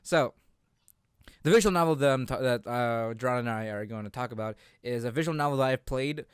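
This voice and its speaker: A man's voice: mid-range voice, brisk, smooth, no room sound, studio quality. A man in his twenties co-hosting a casual unscripted chat, rambling and often repeating his words. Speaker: podcast co-host.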